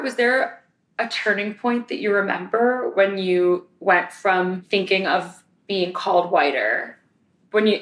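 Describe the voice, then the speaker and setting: A woman's voice: medium pitch, fairly bright tone. Curious woman interviewer, echoey room. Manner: curious, probing questions. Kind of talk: casual interview. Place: apartment in New York.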